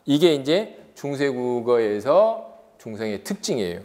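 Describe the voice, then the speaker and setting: Lively Korean lecturer, rhetorical questions. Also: male voice, medium pitch. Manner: lively, rhetorical questions, drawn-out vowel examples. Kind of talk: exam-prep lecture.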